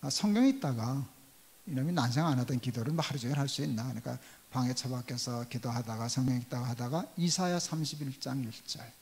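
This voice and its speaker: A man's voice: mid-range voice, a little fast, a little mellow. An older man in his sixties, a pastor telling a personal story in a sermon and acting out the quoted dialogue. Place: church sanctuary. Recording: long church hall reverb.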